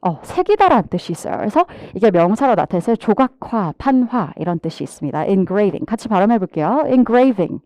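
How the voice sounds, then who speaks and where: Lively woman teacher drilling vocabulary. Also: medium pitch, moderate pace, few pauses, no echo. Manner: lively teacher drilling pronunciation, has students repeat words; addresses the class directly, mixing English words into explanations. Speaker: TOEFL instructor. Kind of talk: live online vocabulary lecture.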